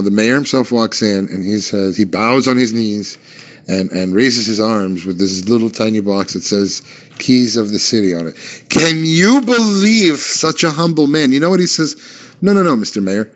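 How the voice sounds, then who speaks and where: A man's voice: on the low side, normal speed. A man co-hosting a comedy show, telling mock-serious tall tales with hesitant fillers, on muffled lo-fi audio. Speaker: co-host. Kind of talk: comedic banter.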